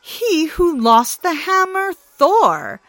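A woman's voice: extremely high pitch, very animated, fairly bright tone, no echo, voice pushed up, full character voice. A woman voicing a cunning, mocking male trickster god in a storybook reading, speaking in a sly, teasing way. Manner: sly, teasing, drawn-out mockery.

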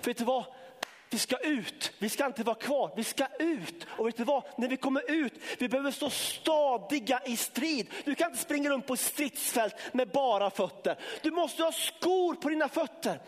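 A man preaching a sermon to his congregation, impassioned, building up to shouting and then dropping low. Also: in a large hall. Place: church sanctuary.

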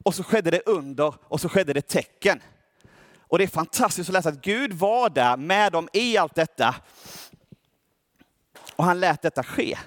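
A man delivering a Bible teaching sermon as a preacher. He explains the verses patiently and keeps checking in with his listeners. His voice sits somewhat high for a man. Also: lively intonation, long pauses, dry recording, clean studio sound. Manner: explanatory, asks the listeners for agreement.

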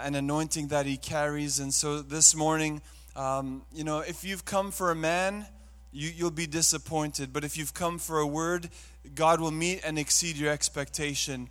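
A man introducing the guest preacher to the congregation, with fillers before a loud call for welcome. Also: fairly high pitch. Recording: long hall reverb.

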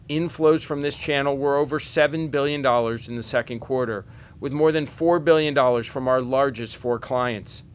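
Guy exec reading scripted earnings call stuff, formal and measured, average pitch, bit of rumbly background noise. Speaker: company executive presenting on an earnings call. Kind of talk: scripted corporate presentation.

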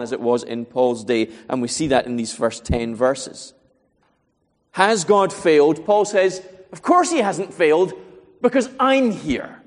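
A man's voice: mid-range voice, a little mellow, long reverb tail. A man preaching a sermon, earnest and asking rhetorical questions as he works through a Bible passage.

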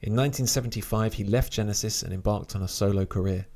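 Gravelly low-voiced man. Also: quick pace. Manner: relaxed, hesitant, reads a short bio aloud. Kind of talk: casual chat.

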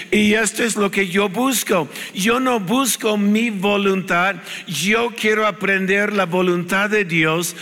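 A man's voice: high voice, bright, forceful tone. An older man preaching a sermon as pastor, emphatic and repetitive, in a large church hall. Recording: long hall reverb with faint music.

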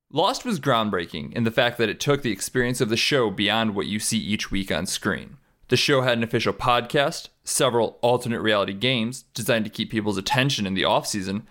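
Man reading an essay with lively intonation. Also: mid-range voice. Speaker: narrator reading an article. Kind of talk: scripted narration of an essay.

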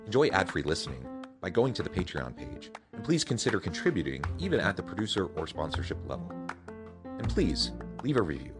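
A man's voice: low-pitched, very animated, brisk, over music. A man hosting a podcast interview, reading the guest's bio formally and with enthusiasm. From United States. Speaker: podcast host. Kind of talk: podcast interview with scripted intro.

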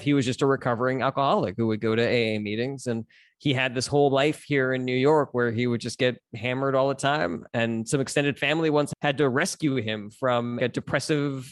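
A man's voice: medium pitch, no room sound. A man in his forties from Los Angeles with an American accent, telling personal stories candidly and articulately in casual conversation as a podcast guest. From Los Angeles, United States. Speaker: podcast guest, stand-up comedian.

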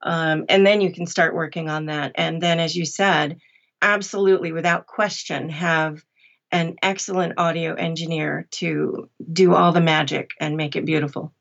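A woman with a slightly low voice chats as a podcast guest, giving practical advice. The sound is a bit muffled and lo-fi. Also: steady tone, moderate pace, creaky. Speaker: podcast guest, audiobook narrator. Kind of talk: interview conversation, giving advice.

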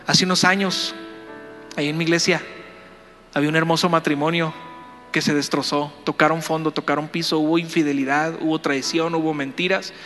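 A man, a pastor, telling a story in a sermon, animated and playful as he talks to the congregation. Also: a little high, big-room sound.

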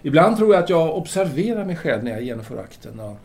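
A man's voice: a little high, big pitch swings, a little mellow. An actor playing a self-absorbed French intellectual lover in an audio drama, speaking formally and hesitantly as he earnestly justifies himself. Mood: confiding. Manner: formal, halting, theatrical hesitations.

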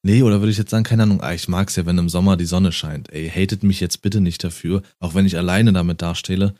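A man's voice: low-pitched, steady tone, quick pace, warm tone, no room sound, clean studio sound. A man chatting casually on a podcast, blunt and fond of swearing, often laughing. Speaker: podcast co-host.

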